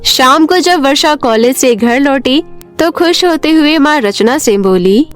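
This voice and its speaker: A woman giving scripted narration for an animated bedtime story, telling it in a steady manner. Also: high-pitched, measured pace, soft background music.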